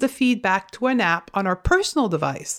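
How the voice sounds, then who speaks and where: A woman speaks with a French accent. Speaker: podcast host and clinical nutritionist. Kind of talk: interview on health podcast.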